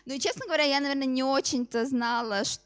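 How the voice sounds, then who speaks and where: A woman's voice: sits high, quick pace. A woman in her twenties answering audience questions informally after a talk, often restarting her sentences. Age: 20s. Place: open event hall with seated audience.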